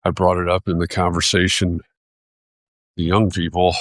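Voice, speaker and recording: A man's voice: sits low, little pitch movement, normal speed, no echo. An American man hosting a live video, talking in a reflective, casual way and searching for his words as he goes. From United States.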